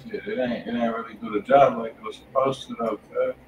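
A man's voice: medium pitch, flat delivery, fairly quick, highs cut off. An American man giving blunt, slangy, casual commentary as co-host of a livestreamed music review. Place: indoor home studio. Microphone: distant from the speaker. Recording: echoey, distant, noisy studio room.

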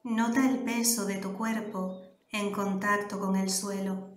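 Slow, calm woman guiding a meditation. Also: medium pitch. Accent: Canary Islands Spanish. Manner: slow, soft, calm instructions with long pauses. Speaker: meditation guide. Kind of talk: guided meditation. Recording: roomy echo with soft music behind. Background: soft background music.

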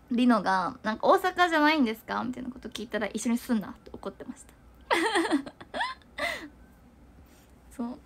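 A young woman chatting casually to viewers on a livestream, giggling and rambling with lots of fillers. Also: a little high. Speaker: idol livestreamer.

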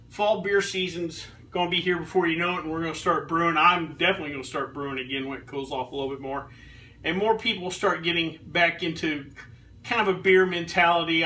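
A man in his thirties, a beer reviewer and home brewer, tastes beer indoors in his home kitchen for a casual review vlog. His fairly high, bright voice wanders with frequent ums and restarts. The fixed camera's mic sits a few feet away, so he comes across a little distant.

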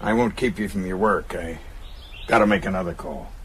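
An actor in a radio drama playing a shrewd, folksy small-town American police constable with a dryly understated, probing manner. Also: male voice, sits low, normal speed, slight background noise, natural voice.

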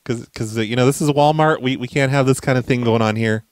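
A prank caller voicing a flustered male store employee through a deep pitch-shifted voice changer, stammering and repeating words. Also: fast, dry recording, studio quality.

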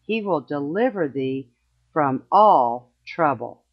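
A mother's voice rises from the grave, as a reader puts her on, gently consoling her son in old-fashioned words. It moves slowly and steadily. The sound is slightly dull and lo-fi. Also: mid-range voice, expressive. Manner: gentle, consoling in archaic speech. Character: dead mother answering from beneath the grave. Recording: slightly muffled lo-fi recording.

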